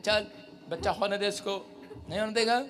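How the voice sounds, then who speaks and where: A man leading a live prayer service as pastor, commanding and repeating his orders in rising shouts. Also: high voice, moderate pace.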